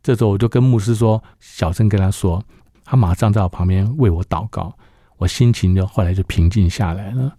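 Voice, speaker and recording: A man's voice: on the low side, fairly quick, warm tone, no echo, studio quality. A middle-aged man giving a personal faith testimony, telling his story and acting out what others said. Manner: storytelling that acts out the dialogue of others. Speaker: church member giving testimony.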